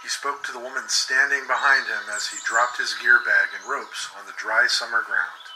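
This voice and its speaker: A man's voice: mid-range voice, fairly even intonation, normal speed, noisy background. A man reading scripted horror fiction as narrator, in a dramatic storytelling manner.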